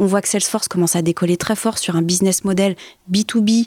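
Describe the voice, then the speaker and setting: A woman with a normal speaking voice talks at a fairly quick pace in a medium pitch. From Normandy, France. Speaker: entrepreneur. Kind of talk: interview.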